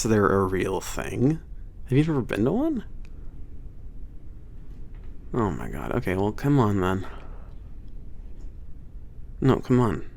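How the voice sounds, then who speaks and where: A man playing a laid-back, cocky werewolf trainer at a spaceport in an ASMR roleplay, talking casually with teasing, swearing and halting phrases. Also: lowish voice, vocal fry, heavily acted. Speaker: trainer showing a new hire around. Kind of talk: ASMR roleplay, casual one-sided conversation.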